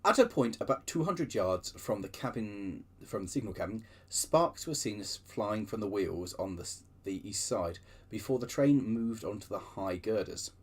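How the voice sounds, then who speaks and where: A man's voice: fairly low pitch, normal speed, breathy edge. A man hosting his own channel, reading railway book extracts aloud with chatty asides. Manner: lively storytelling with chatty digressions.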